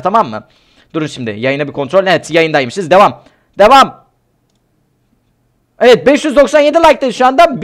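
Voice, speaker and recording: A man streaming a game live, excitable and talkative, yelping and shouting at the action while chatting to viewers. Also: very high-pitched. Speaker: gaming streamer.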